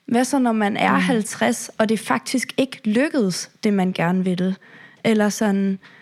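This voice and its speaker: A woman with an ordinary speaking voice talks at a fairly slow pace and a medium pitch, with ordinary pitch variation and very even loudness. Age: 20s. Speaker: podcast co-host. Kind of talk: casual chat.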